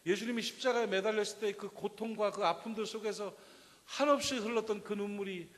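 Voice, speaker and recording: Pastor preaching in a reverberant church. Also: male voice, high voice, fairly even intonation, brisk. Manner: storytelling, asks the congregation questions and acts out wailing. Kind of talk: Sunday sermon. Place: church sanctuary.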